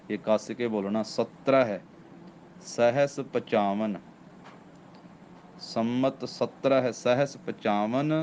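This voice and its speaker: A man with a Punjabi accent leads a slow, patient recitation lesson, pausing on each word to explain how it should be pronounced. His delivery is deliberate and measured. The recording is dull and lo-fi, with a faint ambient hum behind him. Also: mid-range voice, a little mellow. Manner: patient, corrects word by word, slow chanted demonstration. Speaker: Gurbani recitation teacher. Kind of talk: line-by-line pronunciation lesson.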